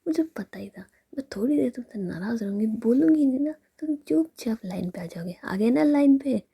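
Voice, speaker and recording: A woman's voice: on the high side, lively intonation, normal speed, gravelly, mellow, breathy edge, pitched above the performer's own voice, heavily acted. A woman whispering as a sulky, teasing girlfriend. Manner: teasing, smug. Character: sulky, teasing young woman, proud lover. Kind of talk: whispered role-play.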